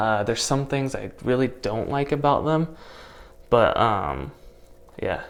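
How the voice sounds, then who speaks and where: Soft-spoken, a man talks at a fairly slow pace with ordinary pitch variation. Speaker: aquarium YouTuber. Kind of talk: casual tutorial.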